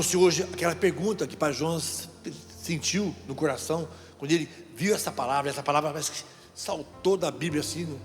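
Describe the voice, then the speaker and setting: A middle-aged man from Brazil, a deacon preaching a storytelling sermon and putting questions to the crowd. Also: fairly high pitch. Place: large event hall. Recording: long hall reverb, faint music.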